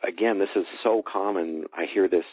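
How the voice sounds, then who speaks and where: A man with a low-pitched, husky voice explains things earnestly and haltingly, as a guest in an interview. He is heard over a tinny phone line. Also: no room sound. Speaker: interview guest, energy healer. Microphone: telephone.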